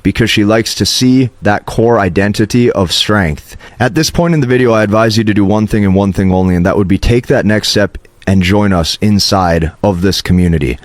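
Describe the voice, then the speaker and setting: In a fairly low voice and an echo-free recording, a dating advice coach hosts a motivational talk to camera. His tone is emphatic and instructive, with repeated "okay" check-ins.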